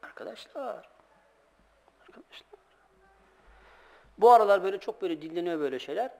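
A middle-aged man leads a relaxed sermon, his voice sitting a little high for a man. He moves between plain teaching and stories, doing the voices of the people in them. He laughs now and then as he talks. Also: fairly quick, vocal fry. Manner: animated anecdotes, acts out voices, laughs often. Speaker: religious teacher giving a monthly talk. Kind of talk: informal sermon with storytelling.

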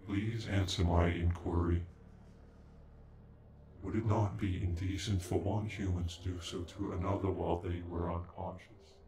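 A man's voice: low voice, little pitch movement, unhurried, warm tone, slight background noise. A man voicing a proud, cold male android in an ASMR roleplay, with stilted, formal speech that can stutter like a glitch. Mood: stern, demanding. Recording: echoey, with background music.

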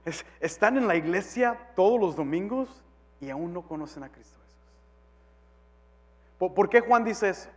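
A male pastor preaching a sermon, moving from quiet talk to shouts and dropping English phrases into his Spanish. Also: high-pitched, expressive, normal speed, pauses often, big-room sound.

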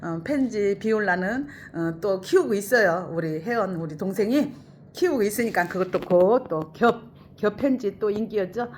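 A woman's voice: mid-range voice, animated, moderate pace, slight background noise. A middle-aged woman selling potted plants in a casual chat, repeating her words and addressing her viewers fondly. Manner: chatty, repeats words, talks to viewers as "flower friends". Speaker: plant seller hosting a sales stream.

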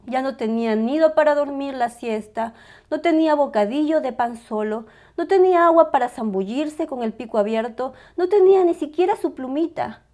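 A woman reading a picture book aloud as a storyteller, with expressive, dramatized narration for small children. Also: high voice, normal speed.

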